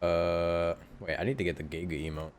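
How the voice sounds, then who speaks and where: A man's voice: low-pitched, steady tone, a little fast, slight background noise. A man giving casual, laid-back live-stream commentary on a game with short offhand reactions. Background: video game music.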